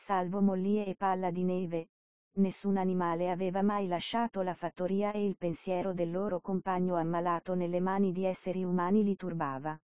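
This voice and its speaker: Brief: female audiobook narrator, lowish voice, steady measured reading, dull lo-fi sound. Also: no room sound. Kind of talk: scripted narration. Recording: dull dry lo-fi recording.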